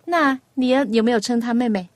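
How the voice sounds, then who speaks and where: A woman hosting a children's radio program, asking a young guest patient, coaxing questions and telling a gentle story. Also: a little high, a little fast.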